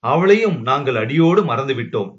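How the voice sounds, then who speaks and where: A man voicing a calm, trusting husband who speaks in a steady, reassuring way. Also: medium pitch, a little fast, natural voice. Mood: reflective. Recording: dull lo-fi recording.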